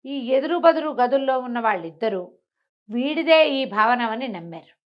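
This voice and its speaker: In this lively, conversational telling of a folk tale, a Telugu-accented woman raises questions and answers them as storytellers do. She speaks at a moderate pace in a slightly high voice, and the recording's highs are cut off.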